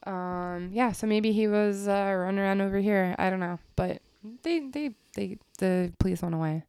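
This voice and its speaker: A woman's voice: medium pitch, normal speed, a little mellow, clear, resonant tone, no echo. A woman, co-hosting a casual podcast chat and telling long neighborhood stories peppered with "like" and the odd swear. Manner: chatty storyteller, heavy use of "like", swears casually. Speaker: podcast co-host. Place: apartment in Brooklyn.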